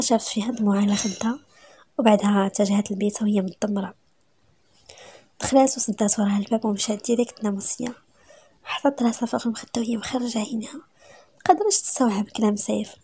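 A woman with a Moroccan accent narrating a romantic story in a dramatic, sometimes hushed way. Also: fairly high pitch, slightly rough.

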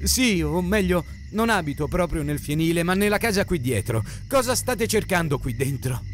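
A man's voice: on the high side, expressive, moderate pace, a little hiss or hum, voice pushed up, close to an everyday voice. A man voicing a frightened but defiant teenage girl in an audiobook, crying out pleas and angry demands. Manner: pleading and fierce cries.

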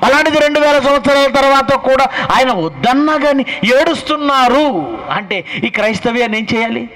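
A man's voice: very high voice, lively intonation, a little fast, a bit bright, slight background noise, low-quality recording. A male pastor preaching a sermon and pressing his point with rhetorical questions. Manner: emphatic, fires rhetorical questions.

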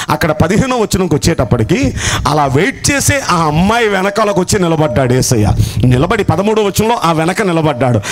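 A man preaching an Easter sermon to a seated congregation in church. He asks rhetorical questions and swings his voice dramatically as he quotes scripture figures. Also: high voice. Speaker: pastor.

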